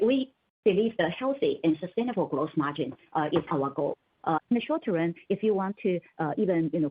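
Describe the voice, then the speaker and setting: Woman, company executive, lowish husky voice, measured chunked phrasing, earnings call, narrow phone-line sound. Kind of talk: earnings call answer to analysts. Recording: muffled narrow telephone conference line.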